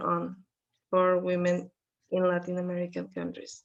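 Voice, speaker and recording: A woman with a Spanish accent speaks at medium pitch. Her pace is very slow. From Mexico. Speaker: women's coach. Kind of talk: talk to camera.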